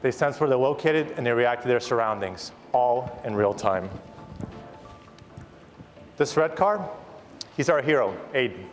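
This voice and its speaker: A man's voice: mid-range voice, animated, a little slow, long pauses, soft background music. A man in his thirties, a company founder, giving an enthusiastic, rehearsed keynote product presentation on a large conference stage. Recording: long hall reverb, audience noise.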